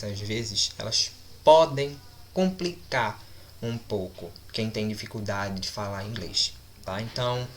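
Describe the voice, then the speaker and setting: A man teaching English numbers, speaking deliberately and repeating each word several times for his students. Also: medium pitch, bright, forceful tone, slight background noise. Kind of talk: recorded language lesson.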